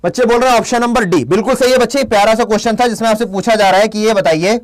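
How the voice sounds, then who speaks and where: A man's voice: sits high, very fast. A young man with a Hindi accent teaching a live online English class, playful and scolding his chat commenters. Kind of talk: live class with quiz questions.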